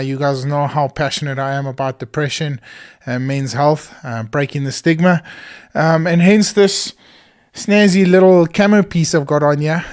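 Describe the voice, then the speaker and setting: A man talks through a solo podcast episode in a small studio. His voice is hoarse and a little high for a man. He sounds earnest and keen, with plenty of fillers between his thoughts. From South Africa. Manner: earnest and enthusiastic, many fillers. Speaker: podcast host.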